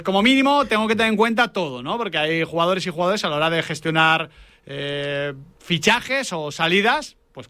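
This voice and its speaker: Male sports talk host, forward bright tone, slightly high pitch, conversational delivery. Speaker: show host. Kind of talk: conversational football talk show.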